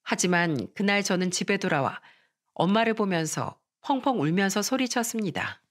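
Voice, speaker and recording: Lively woman narrating a story. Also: medium pitch, moderate pace. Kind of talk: scripted first-person story narration.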